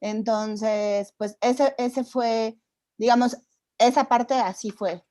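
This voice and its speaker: A woman, a film producer speaking in a relaxed, reflective way with many restarts. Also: fairly high pitch, slow, no room sound. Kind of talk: conversational talk at a seminar.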